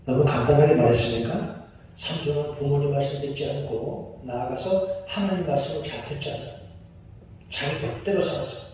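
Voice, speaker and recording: A man's voice: fairly high pitch, fairly quick, a little mellow, distant mic, slight background noise. A man preaching a sermon as pastor, in a conversational way, often asking the congregation questions. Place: church sanctuary. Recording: echoey hall, voice picked up from afar.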